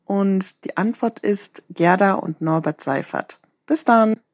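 Girl in her 20s, bit raspy, dry close recording, leaving a short voice message. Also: mid-range voice, slow pace, no room sound. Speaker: listener sending in a quiz question.

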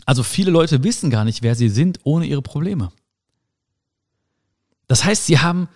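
A man's voice: fairly high pitch, a little mellow. A young adult man hosting a podcast, giving reflective advice in a casual monologue and speaking straight to the listener. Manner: reflective, talks straight to the listener, acts out little dialogues. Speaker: podcast host.

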